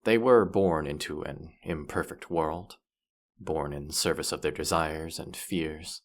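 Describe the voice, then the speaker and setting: A man plays a smug demon guide of the afterlife in a fantasy audio drama. His voice sits very low with a gravelly fry, and he takes his time over each line. He is playful and teasing, quick to boast and to act wounded. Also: exaggerated voice. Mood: defensive, disdainful. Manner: playful, smug, mock-offended, hesitating mid-thought. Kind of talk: scripted character audio roleplay addressed to the listener.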